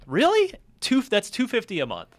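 A man's voice: very high-pitched, wildly swooping pitch, moderate pace. A man hosting a casual panel chat about video games, explaining his points as he thinks aloud. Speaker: podcast host.

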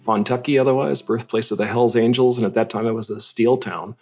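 A man's voice: medium pitch, fairly even intonation, a little fast, a little mellow, husky, faint music behind. A middle-aged man from California, a guest artist talking reflectively in an interview, with restarts and fillers. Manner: reflective, self-deprecating, many restarts and fillers. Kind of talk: relaxed conversational interview.

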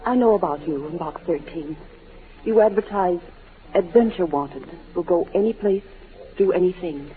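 A woman's voice: lowish voice, normal speed, slight background noise, lightly acted. Woman playing an anxious, pleading young actress. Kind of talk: 1940s radio acting. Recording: muffled old radio recording.

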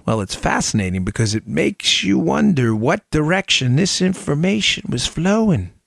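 A man's voice: on the high side, big pitch swings, normal speed, gravelly, a bit bright, dry recording. Emphatic male political host, very dry studio sound. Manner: emphatic, rhetorical questions, repeats phrases, addresses listeners directly. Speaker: political talk show host. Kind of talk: opinionated political commentary.

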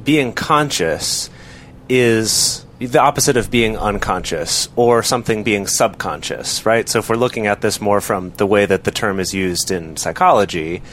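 A man co-hosting a casual podcast discussion, explaining ideas in a measured way. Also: on the low side, a bit bright, a little hiss or hum. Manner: explanatory, measured, drawn-out words. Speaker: podcast co-host.

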